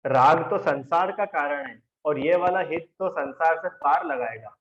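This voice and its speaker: A man's voice: on the high side, measured pace. A male teacher giving a class lecture, arguing through rhetorical questions and answers and quizzing his students by name. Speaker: religion teacher. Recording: roomy, dull lo-fi recording.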